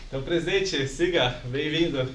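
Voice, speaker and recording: A man's voice: fairly high pitch, normal speed, fairly bright tone. A man with a São Paulo Brazilian accent, co-hosting a podcast interview in a casual conversational style. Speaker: podcast co-host. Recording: roomy, distant mic, background noise.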